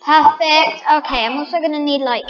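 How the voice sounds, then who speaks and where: A woman's voice: high-pitched, fairly even intonation, normal speed, long reverb tail, muffled recording, soft background music. A woman chatting to her viewers as she decorates a house in a game, thinking aloud. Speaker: vlogger. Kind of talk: casual game commentary.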